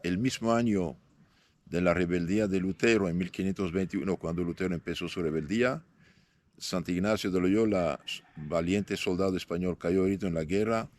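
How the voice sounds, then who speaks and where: A man in his fifties, born in northern Syria with Aramaic as his first language, answering interview questions as a priest in a measured way, often pausing with fillers. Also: low-pitched, darkish tone. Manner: measured, halting with frequent "eh" fillers and restarts.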